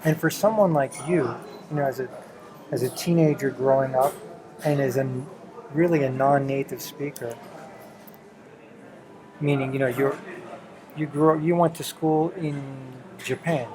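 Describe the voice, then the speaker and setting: A man's voice: mid-range voice, steady tone, measured pace, long pauses, a crowd in the background, low-quality recording. A middle-aged man chatting casually and encouragingly with his teenage child as the host of a home video. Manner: encouraging, affirms often with "right" and "exactly".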